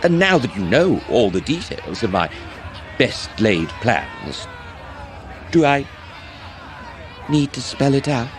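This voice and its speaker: A sadistic male elf villain of an audio drama. He speaks slowly and swoops hugely in pitch, savoring every threat with mock sweetness. Clear background noise of ambient effects surrounds him. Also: very animated, some chatter behind. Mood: smug menace. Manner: theatrical, mock-sweet, savoring each word. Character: sadistic, gloating male dark elf lord of the Fae. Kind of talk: scripted audio drama acting.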